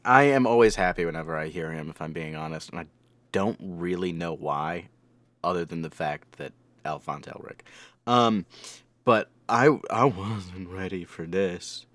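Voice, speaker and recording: A man hosting an anime reaction, talking casually in a halting, rambling, joking way. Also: low voice, fairly bright tone, no echo. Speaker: anime reviewer and reaction host.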